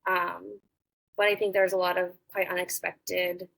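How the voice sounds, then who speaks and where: A young adult woman talking thoughtfully as a podcast guest, pausing often with fillers and restarts. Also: lowish voice, level tone, gravelly, fairly bright tone. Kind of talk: casual interview conversation.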